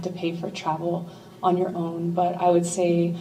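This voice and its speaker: An American accent against audible room echo and noticeable background noise. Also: woman. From Los Angeles area, California. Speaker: fine art photographer, keynote speaker. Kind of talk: keynote talk with Q&A. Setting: conference room with audience. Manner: casual, many fillers.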